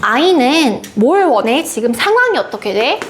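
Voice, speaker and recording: A young woman teaching a class, explaining a text in a lively way and acting out the lines it quotes. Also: sits high, normal speed, noisy background. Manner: animated, acts out quoted lines. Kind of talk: classroom lecture.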